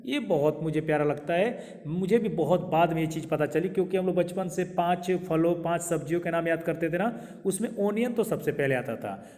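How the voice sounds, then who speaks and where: A man's voice: fairly high pitch, mellow. Man teaching pronunciation, echoing hall. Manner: repeats words slowly, asks viewers questions. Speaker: English teacher. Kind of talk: pronunciation lesson to camera. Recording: long hall reverb.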